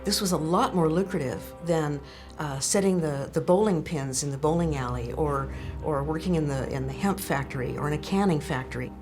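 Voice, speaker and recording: Female interviewee: deep register, halting unscripted commentary, music underneath. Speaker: documentary interviewee. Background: music bed.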